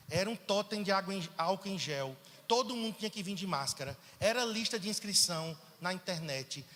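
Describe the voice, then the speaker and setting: A male pastor from Pernambuco, Brazil, preaching a sermon in a church and telling a personal testimony, acting out quoted dialogue. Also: high voice. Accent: Brazilian Portuguese, Pernambuco. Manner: animated storytelling, acts out quoted dialogue. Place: church sanctuary. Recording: church hall reverb.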